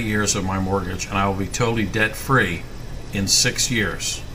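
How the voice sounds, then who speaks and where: Moderately paced speech from a man, amid noticeable background noise and audible room echo. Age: 60s. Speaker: client giving testimonial. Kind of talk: testimonial.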